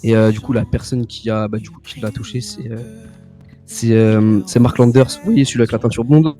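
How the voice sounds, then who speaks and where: A man playing a hesitant witness in an online roleplay trial, casual and halting as he informs. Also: mid-range voice, fairly even intonation, warm tone, faint music behind, natural voice. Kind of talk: improvised online game roleplay.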